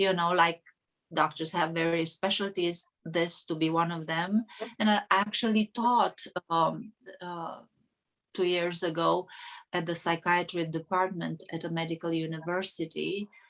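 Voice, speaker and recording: Speaking in a Romanian accent, a woman with a fairly low pitch moves at a fairly slow pace with monotone, flat intonation. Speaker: hypnotherapist and teacher. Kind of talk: interview. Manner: halting.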